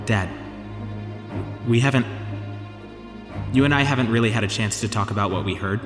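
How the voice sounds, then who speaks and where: An actor playing an earnest, protective son in an audio drama. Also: male voice, lowish voice, normal speed, close to an everyday voice. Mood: gentle, concerned. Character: earnest, protective son urging his father on. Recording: echoey reverberant hall, music behind.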